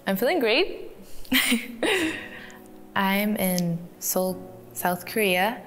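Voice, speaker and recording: A teenage woman from Canada answering interview questions in a soft, giggly way with many ums, filmed in a photo studio. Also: medium pitch, sing-song, extremely slow. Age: teens. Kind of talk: recorded profile interview. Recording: clip played with faint music.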